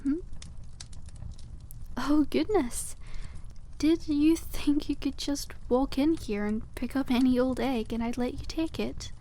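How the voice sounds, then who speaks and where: A woman voicing a cute, kindly witch shopkeeper in an ASMR roleplay, speaking softly and teasingly with old-fashioned courtesy. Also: high-pitched, slow pace. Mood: teasing, gently instructive. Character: cute, coy, kindly witch selling dragon eggs. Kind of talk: ASMR roleplay, scripted and addressed to listener.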